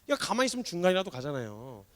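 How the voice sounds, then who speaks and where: Animated fast-talking Korean-speaking male preacher. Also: high-pitched. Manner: animated, playful, acts out characters' lines. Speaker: missionary preacher. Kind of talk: lively youth sermon storytelling.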